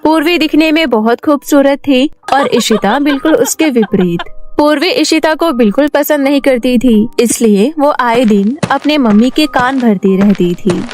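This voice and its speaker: A woman narrates a scripted moral tale in storybook style. Her voice is on the high side. Music plays behind her. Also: moderate pace, darkish tone.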